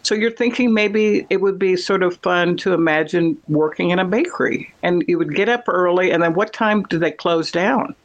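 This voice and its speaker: Chatty guy, bit high-pitched, rambling casual storyteller. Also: normal speed, few pauses, lo-fi sound. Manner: rambling, chatty, many fillers. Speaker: conversation partner. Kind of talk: casual chat.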